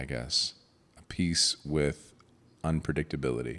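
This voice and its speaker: Fairly even in intonation, a man talks in a very deep, low-pitched voice. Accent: American. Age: 30s. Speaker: voice actor and musician. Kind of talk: casual interview chat.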